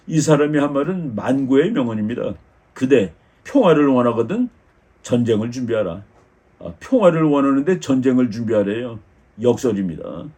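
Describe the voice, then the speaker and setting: An older man giving a measured lecture on international politics as the channel's host, explaining step by step with frequent small fillers and restarts. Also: medium pitch, mellow.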